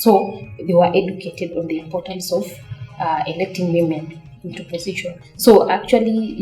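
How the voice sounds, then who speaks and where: Low, warm-toned woman. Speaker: election candidate. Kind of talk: documentary interview testimony. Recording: roomy echo, faint music.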